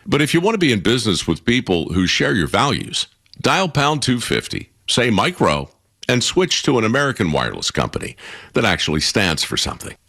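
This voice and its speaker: A male spokesman reads a radio ad in an earnest, persuasive way. His voice is bright and lively, and it swings widely as he pitches. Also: vocal fry. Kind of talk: read radio ad.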